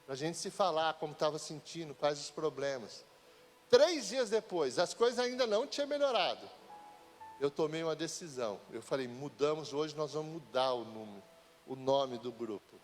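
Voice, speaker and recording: Male pastor, 50s, high voice, long church reverb, sermon with rising pleas. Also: big pitch swings, soft background music. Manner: swings from low, slow scripture reading to high, loud pleading.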